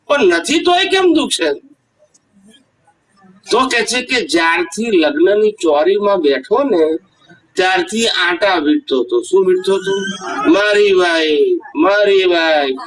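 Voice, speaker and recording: A man's voice: high-pitched, a bit bright. A man giving a devotional discourse to a gathering as a spiritual teacher, telling stories, asking rhetorical questions and often checking that his listeners understood. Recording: voice picked up from a distance.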